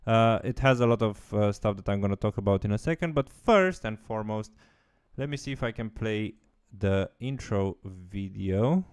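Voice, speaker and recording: A man chats casually on a livestream, hesitating and thinking aloud as he works. His voice is low and smooth, recorded close and dry. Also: animated, normal speed, no room sound. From Romania. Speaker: livestream host.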